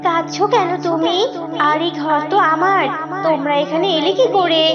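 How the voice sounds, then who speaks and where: A woman's voice: extremely high pitch, steady tone, moderate pace, voice pushed up. A woman voicing a protective, commanding fairy in a children's cartoon, speaking emphatically on a dull recording over music. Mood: concerned, protective. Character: stern protective fairy, threatening wrongdoers, gentle to children. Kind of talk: children's cartoon story voice acting.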